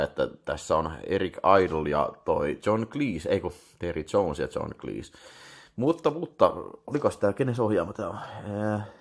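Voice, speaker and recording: Man, unboxing host, casual rambling chat, crude and boastful, low voice, very lively pitch. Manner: loud, profane, mock-boastful, rambling with many fillers.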